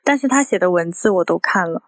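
A woman's voice: on the low side, animated, quick pace, husky, no echo, clean studio sound. A woman co-hosting a casual podcast, talking in a thoughtful, somewhat hesitant conversational way. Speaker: podcast co-host.

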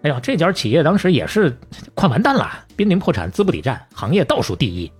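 Animated, husky Beijing-accented man telling stories. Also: on the high side, fast talker, soft background music. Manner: colloquial and folksy, with proverbs and acted-out asides. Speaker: podcast host. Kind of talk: lively conversational storytelling.

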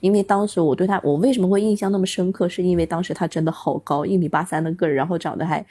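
A woman's voice: on the low side, fairly even intonation, very fast, warm tone, husky. A woman from Changsha, a guest on a video call, telling a rambling story with many restarts. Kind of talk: casual storytelling chat.

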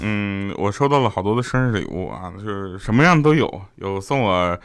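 A man's voice: fairly low pitch, expressive, brisk, fairly bright tone, faint music behind. A man, hosting a comedic podcast and telling funny stories in a chatty, joking way. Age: 30s. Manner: joking, chatty, laughs often. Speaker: podcast host. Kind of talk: comedic storytelling chat.

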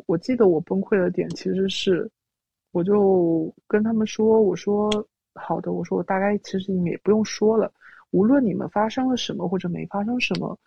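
A woman's voice: on the low side, creaky, warm tone, husky. A woman guest telling a personal story through a voice changer, often quoting her own words. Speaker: interview guest. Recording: dull lo-fi audio.

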